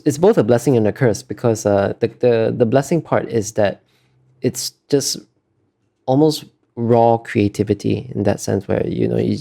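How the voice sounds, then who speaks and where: A man's voice: fairly low pitch, gravelly, dark tone. A man giving casual, thoughtful interview answers as an artist, often hesitating as he searches for the right words.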